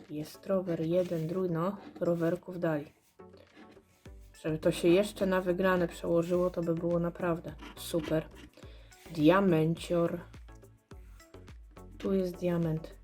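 A hoarse woman calmly commenting while she scratches lottery cards and checks the symbols. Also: lowish voice, faint music behind. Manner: slow, murmured checking of symbols. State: hoarse, clearing throat. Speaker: scratch card vlogger.

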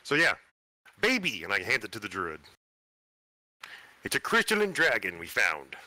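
Male tabletop player, lowish voice with animated swings, casually narrating his moves. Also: normal speed, no room sound. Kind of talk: casual game chat, narrating his character's actions.

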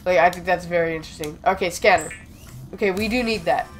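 A young man with a slightly raspy voice from being sick, chatting excitedly as he plays and talks back to the game. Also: sits high, quick pace. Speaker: gaming channel host. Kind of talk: casual gameplay commentary.

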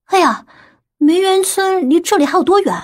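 A woman's voice: very high voice, normal speed. A woman voicing a spoiled, complaining city woman of about thirty in an audiobook, petulant and questioning. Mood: surprised.

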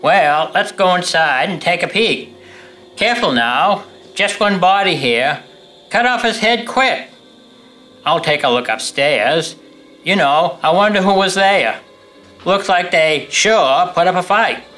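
A man's voice: high voice, lively intonation, measured pace, bright, forceful tone, faint music behind, heavily acted. An older man on stage playing a brusque, commanding small-town police chief in a radio play. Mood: gruff, resigned. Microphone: stand microphone.

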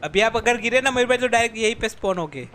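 A man streams a co-op game, laughing constantly and shouting instructions to his friends. His voice sits very high and sounds bright and sharp, with faint background hiss. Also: lively intonation, fast. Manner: laughs a lot, yells for help, coaches friends. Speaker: gaming streamer. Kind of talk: excited multiplayer gameplay commentary.

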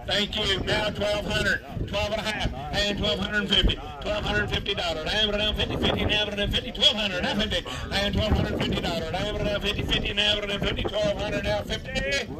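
A man's voice: high-pitched, fairly even intonation, a little fast, pauses often. A man working as an auctioneer, calling bids outdoors. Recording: distant sound, very loud crowd. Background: loud crowd.

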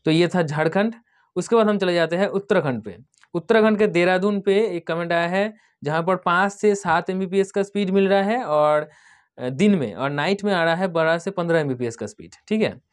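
A man's voice: high-pitched, a little fast. Man from India, tech vlogger, casual explainer, spells out names, keeps saying okay. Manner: spells out place names letter by letter, repeats "ठीक है". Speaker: tech channel host. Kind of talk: casual explainer reading viewer comments.

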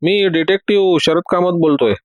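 A man's voice: sits high, normal speed, no echo, phone-quality sound, voice pushed up, lightly acted. A man voicing a confident, witty male detective who teases everyone in a breezy way. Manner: teasing, breezy.

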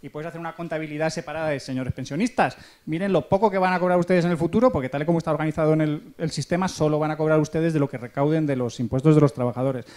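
A man's voice: a little high, steady tone, racing, few pauses, a little mellow. A man making an argued comment from the audience at a conference.

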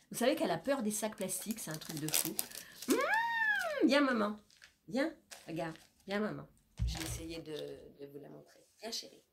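A fifty-something vlogger from France talks casually to a close camera about her groceries in her bedroom with leafy wallpaper, heavy background noise in the recording. Her medium-pitched voice is slightly stuffy with a cold. She's chatty and playful, occasionally cooing baby talk to her cat.

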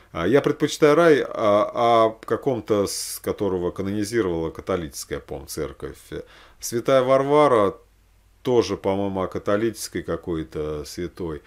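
A man in his forties talking casually and unscripted, rambling and thinking aloud with hesitant asides. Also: fairly low pitch. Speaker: religious vlogger recommending films. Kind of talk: casual, unscripted chat to camera. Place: small room at home, indoors.

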